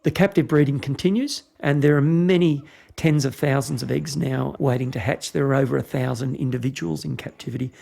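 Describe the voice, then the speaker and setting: A man's voice: mid-range voice, a little fast, vocal fry, mellow. A man speaking earnestly and passionately as a conservation expert in a documentary interview.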